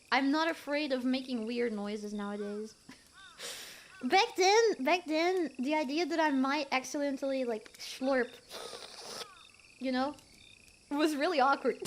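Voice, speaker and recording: A young woman streamer who isn't a native English speaker chats casually, reading her chat's messages in a high-pitched voice over a slight hiss or hum. She's giggly and rambles with plenty of fillers.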